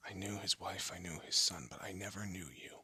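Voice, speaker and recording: A man voicing a hardened ex-gangster husband in an audio roleplay, talking in a low threatening whisper. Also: little pitch movement, brisk, bright, forceful tone, slightly rough, exaggerated voice. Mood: somber. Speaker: voice actor.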